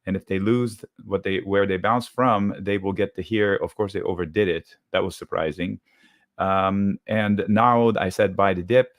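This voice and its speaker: This guest on a live market show, joining by video call, gives a quick, step-by-step rundown of his options trades. He seems slightly unwell, his low voice made deeper by a cold. The recording is dry and clean, with studio sound.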